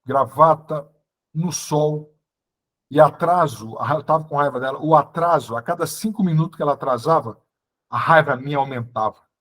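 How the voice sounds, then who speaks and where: A man's voice: fairly high pitch, normal speed, a bit bright. A man preaching a testimony, telling his story dramatically and calling the listeners brothers. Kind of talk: sermon testimony.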